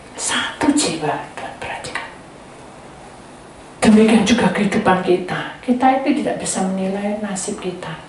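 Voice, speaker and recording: A woman pastor delivers a sermon, telling a story and acting out what people said. Her voice sits at a middle pitch and comes from some distance. The hall is full of echo, with a faint hum of ambience behind her. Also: a little mellow. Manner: addresses the congregation often, acts out quoted speech. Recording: very echoey, from far off, faint ambient noise.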